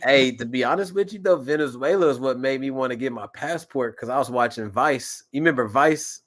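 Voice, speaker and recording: A man from the United States chatting casually as a co-host, telling stories in an animated, profane way. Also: medium pitch, brisk. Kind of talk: casual chat.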